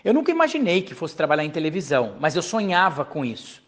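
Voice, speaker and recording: A man's voice: on the high side, wildly swooping pitch, fast talker, fairly bright tone. An earnest man with a slightly raised voice tells his story as an interview guest. He talks casually and repeats himself, often addressing the host as "cara.". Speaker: voice actor guest.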